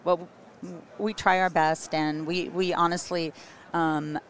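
Low-voiced woman with a scratchy, worn voice. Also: little pitch movement, unhurried. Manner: rambling, with many ums and restarts. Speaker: summit producer and emcee, guest. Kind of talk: casual interview chat. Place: at a busy trade show.

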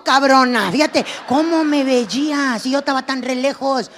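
A woman's voice: high-pitched, fairly bright tone. A middle-aged woman from northern Mexico with a northern Mexican accent, doing a brash, salty stand-up monologue and acting out scolding mothers. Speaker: stand-up comedian.

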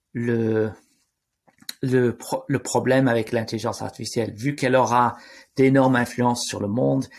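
Halting man with a foreign accent, creaky voice. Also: medium pitch. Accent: foreign accent in French. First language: not French. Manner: halting, searching for words, repeating and rephrasing. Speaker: interview guest, AI risk expert. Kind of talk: unscripted explanation in an interview.

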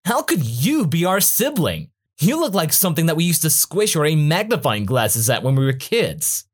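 A man voicing a mocking young male android, slow and acerbic. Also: on the high side, sing-song, breathy edge, pitched above the performer's own voice.

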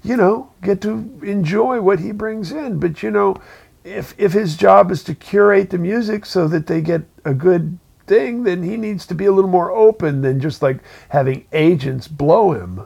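Man, gravelly, slightly high voice, rambling, restarts, casual talk. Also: normal speed, darkish tone, muffled recording. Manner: rambling, restarts often, many "you know"s. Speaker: podcast co-host, working musician. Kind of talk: casual chat.

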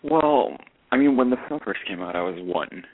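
A man's voice: mid-range voice, lively intonation, normal speed, husky, narrow, tinny audio. A man in his thirties from Lebanon, a candid, self-deprecating guest in a podcast discussion.

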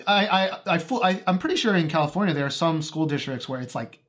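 A young man from Texas chatting casually as a co-host, animated and swearing freely, with quick asides. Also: fairly high pitch. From Texas, USA. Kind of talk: casual chat.

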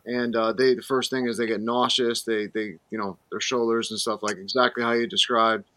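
A man hosting a casual paranormal podcast, asking animated questions and repeating himself. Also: medium pitch, brisk, dry recording.

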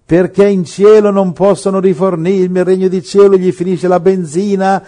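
A man's voice: high-pitched, little pitch movement, moderate pace, dark tone. A middle-aged man preaching on a radio program, joking and asking rhetorical questions. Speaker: pastor.

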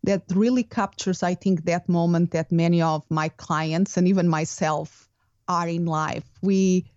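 A woman's voice: lowish voice, steady tone, unhurried, darkish tone, dry recording. Portuguese-accented woman, dull remote audio. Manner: thoughtful, with restarts and non-native grammar. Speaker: guest, business coach. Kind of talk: casual interview talk.

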